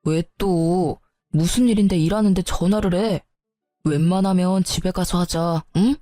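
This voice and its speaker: A grumbling husband who brushes off every complaint, in a lowered voice, as a woman puts him on. The sound is mellow and dry. It comes from a narrated family tale. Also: fairly even intonation, unhurried, no room sound, soft background music, natural voice. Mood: annoyed. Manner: grumbling, dismissive. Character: irritated husband, dismissive.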